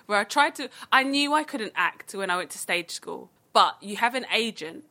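A woman's voice: mid-range voice, expressive, moderate pace, bright, forceful tone. A woman with an Essex accent chatting casually as an interview guest, bubbly, self-deprecating and a little dramatic as she tells anecdotes. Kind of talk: casual chat, telling anecdotes.

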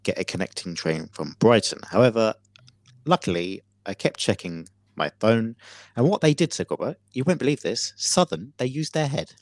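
A man co-hosting a podcast, telling a story theatrically with many pauses and fillers. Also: on the low side, lively intonation, no room sound. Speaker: podcast co-host. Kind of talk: casual chat.

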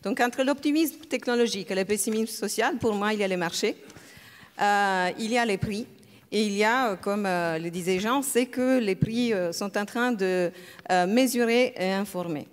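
A woman's voice: mid-range voice, normal speed. A woman professor speaking on a conference panel, hesitant and full of filler sounds as she searches for words. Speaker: energy economics professor, panelist. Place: lecture hall at a school. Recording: reverberant conference hall.

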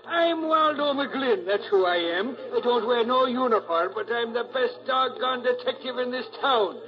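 Radio crime drama: boastful dumb American policeman, very high male pitch, slangy bluster, dull 1940s recording. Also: lively intonation, a little slow, crowd noise. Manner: blustering, ungrammatical tough-guy slang. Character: boastful dim-witted city cop, brash and slangy.

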